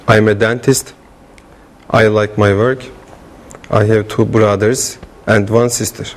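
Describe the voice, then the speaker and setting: A man's voice: fairly low pitch, flat delivery, a little slow. A man in his twenties from Turkey, a student in a scripted classroom dialogue, saying short, simple sentences. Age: 20s. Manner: plain, reciting short sentences.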